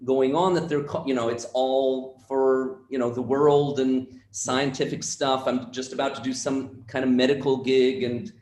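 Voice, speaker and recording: A man's voice: medium pitch, little pitch movement, a little mellow. Man with a Brooklyn Jewish accent, echoey room. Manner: reflective, measured, self-deprecating. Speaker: actor and guest. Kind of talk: conversational interview. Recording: roomy echo.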